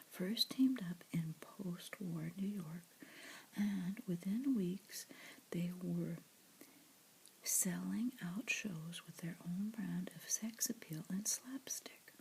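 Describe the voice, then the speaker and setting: A woman's gravelly low whisper. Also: slight background noise, low-quality recording. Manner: soft whisper with asides. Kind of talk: whispered ASMR reading of news articles.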